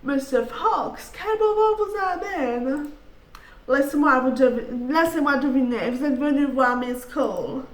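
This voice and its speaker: A woman voicing a sly, scheming man who speaks smoothly and evasively in a narrated mystery game. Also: extremely high pitch, expressive, measured pace, roomy sound. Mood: smug. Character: sly scheming male hotel guest.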